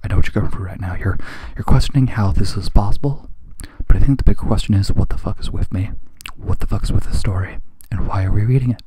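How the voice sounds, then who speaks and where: Low, mellow, half-whispering man. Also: fast, hardly any pauses, a little hiss or hum. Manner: stammering, mock-earnest. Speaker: host. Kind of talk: confiding comic aside to viewers.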